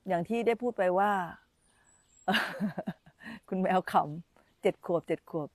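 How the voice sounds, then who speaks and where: She speaks slowly at a medium pitch with no echo. The setting is an informal dharma talk on a live stream, where this meditation teacher chats, repeats phrases, and talks with the children near her.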